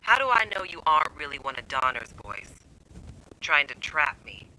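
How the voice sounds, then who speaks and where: A defiant, mistrustful man hiding out in a video game. The voice is piercingly bright and somewhat high, with a mocking, sardonic edge. Light noise sits behind it. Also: sing-song, moderate pace, exaggerated voice, rough recording. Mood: mocking, distrustful. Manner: taunting, sardonic, swearing. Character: defiant, suspicious escaped-prison holdout, sardonic man.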